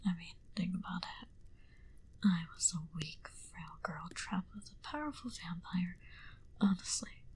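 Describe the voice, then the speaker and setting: A woman playing a wistful female vampire in an ASMR roleplay, confiding her backstory in an intimate, breathy whisper. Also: on the low side, expressive, darkish tone. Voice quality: breathy, mostly unvoiced whisper. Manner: slow, intimate, confiding delivery.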